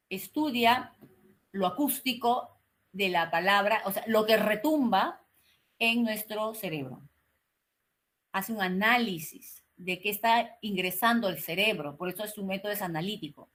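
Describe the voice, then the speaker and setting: A woman teaching an online class, speaking slowly and articulating each word with care, with frequent checking questions and hesitations. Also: mid-range voice, fairly bright tone. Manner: slow, carefully articulated explaining; frequent "¿no?" and "eh" fillers.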